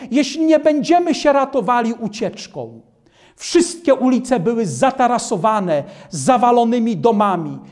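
An older man preacher reads old accounts aloud at a very slow, deliberate pace. His delivery is measured and grave, each phrase weighed. It sounds like a solemn studio sermon. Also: very high-pitched, a little mellow. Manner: measured and grave, stands reading from a book.

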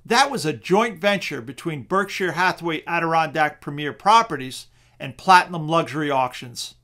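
A middle-aged man narrating a scripted webinar on real estate auctions in a steady, persuasive sales tone. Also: on the high side, normal speed.

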